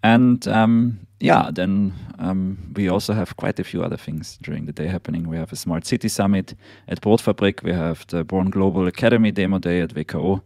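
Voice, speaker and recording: A man co-hosts a casual morning show and runs through the day's events, pausing on fillers along the way. His voice is low and gravelly. The sound is dry and close to the mic. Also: no room sound. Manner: relaxed, listing events with fillers. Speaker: co-host.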